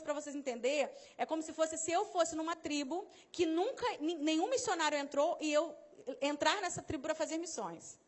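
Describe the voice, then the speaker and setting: A Brazilian woman with a Rio de Janeiro accent giving a lively talk to a church audience, acting out dialogue as she tells stories. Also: sits high. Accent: Carioca Portuguese. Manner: animated storyteller, acts out dialogue, laughs often. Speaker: speaker at a mission course.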